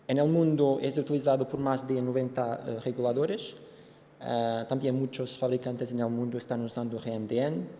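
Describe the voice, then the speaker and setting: A Portuguese man giving a conference presentation in Spanish with a Portuguese accent, speaking haltingly with many fillers and restarts. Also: medium pitch, little pitch movement, mellow. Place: conference hall. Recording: hall reverb, faint background noise.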